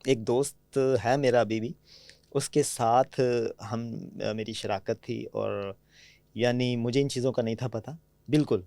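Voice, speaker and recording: A man's voice: mid-range voice, steady tone, gravelly, warm tone, no room sound. A man from Pakistan, a podcast guest, with a Punjabi-tinged Urdu accent, recounting his experiences in a chatty storytelling way and often checking in with the listener. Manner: anecdotal, frequently asks "theek hai?" to check understanding. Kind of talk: conversational storytelling.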